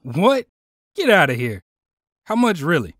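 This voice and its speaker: An actor playing a young, cocky hero in an audio drama, with a casual, slangy delivery. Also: male voice, a little high, huge pitch swings, unhurried, fairly bright tone, dry recording, clean studio sound, exaggerated voice. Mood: skeptical. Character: young, breezy, cocky male hero Ranger.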